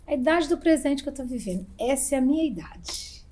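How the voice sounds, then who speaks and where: A woman's voice: high voice, expressive, fairly quick, darkish tone. A woman introducing herself in a playful, reflective way as a former councilwoman.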